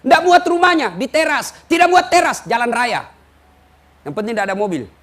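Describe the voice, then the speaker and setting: A man preaching with a very high voice. He delivers a humorous sermon, telling lively stories and shouting out questions in voices he mimics. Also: moderate pace. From Indonesia.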